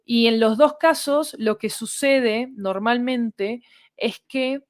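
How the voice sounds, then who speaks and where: A woman's voice: a little high, takes it slowly, dry recording. Woman explaining conversationally, dry sound. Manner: discursive, checks with rhetorical tag questions. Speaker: podcast guest, fiction audio producer.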